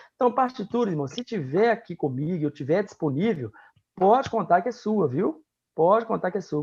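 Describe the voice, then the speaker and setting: This man talks at a very fast pace, his intonation lively. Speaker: church music conductor and teacher. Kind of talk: closing remarks in a live online talk. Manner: halting, many fillers.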